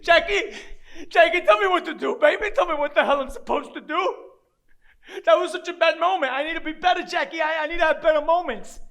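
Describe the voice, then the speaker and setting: Man playing a high-pitched, desperate, foul-mouthed down-and-out father. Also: brisk, vocal fry, fairly bright tone, heavily acted. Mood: anguished, frantic, then tearful, pleading. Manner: rambling, profane, streetwise, talking to an unseen child. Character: down-and-out grieving father, foul-mouthed, self-loathing, desperate loser. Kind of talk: dramatic monologue acting.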